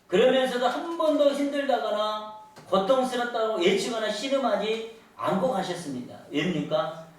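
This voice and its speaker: A male pastor preaching a sermon to his congregation, telling stories and asking them questions. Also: extremely high pitch. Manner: storytelling with rhetorical questions to the congregation. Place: large church sanctuary. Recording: echoey church hall, voice from far off.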